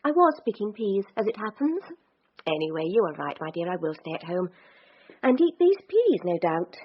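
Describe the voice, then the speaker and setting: An actress playing a gentle, resigned Victorian mother with a dry, gently ironic humor, in a period radio drama. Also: mid-range voice, very animated, moderate pace, breathy edge. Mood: wry. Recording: dull recording with faint hiss.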